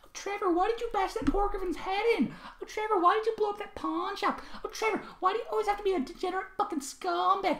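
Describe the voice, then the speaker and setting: A put-on character voice at an extremely high pitch races along at a very fast pace in a sing-song lilt, with clear background noise behind it. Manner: mocking, sing-song.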